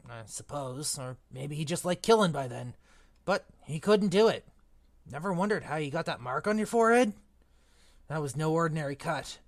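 A man plays a big, blunt, kindly giant of a groundskeeper with rough folksy grammar, for a storybook reading. The voice sits a touch high for a man. It is recorded close and dry, with no room sound. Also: no echo. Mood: sad, earnest. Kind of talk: audiobook character reading.

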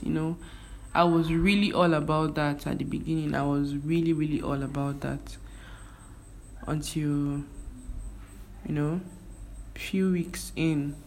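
Her speech slightly slow and her tone darkish, a young Nigerian woman vlogs casually in a Nigerian accent, leaning on fillers and restarts. Igbo is her first language. She has a low voice with fairly even intonation, and faint background noise is audible.

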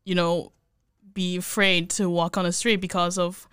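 Hesitant young woman with a very clear voice. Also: on the low side, little pitch movement, moderate pace, fairly bright tone, no room sound, studio quality. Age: young adult. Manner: hesitant, many fillers. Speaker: guest, protest volunteer. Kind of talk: casual interview.

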